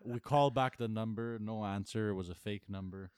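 Deep, smooth-voiced teasing man. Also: darkish tone, no room sound, clean studio sound. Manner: teasing, blunt, quick reactions. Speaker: podcast co-host. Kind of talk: casual chat.

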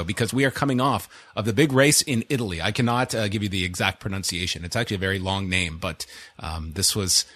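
Chatty, sarcastic Canadian podcast host. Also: male voice, on the low side, fairly bright tone, dry recording. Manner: chatty, dry sarcastic humor. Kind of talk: casual chat.

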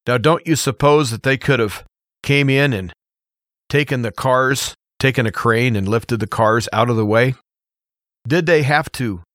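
An American man hosting a radio show, giving an opinion monologue in an emphatic, deliberate way with rhetorical questions. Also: medium pitch, fairly bright tone, no echo, clean studio sound.

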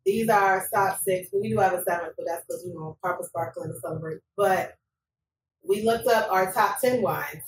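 A woman's voice: medium pitch, moderate pace. A woman co-hosting a casual wine podcast, running a playful quiz and laughing often, recorded around a table. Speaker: podcast co-host. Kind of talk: casual chat over wine. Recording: roomy, distant mic, faint noise.

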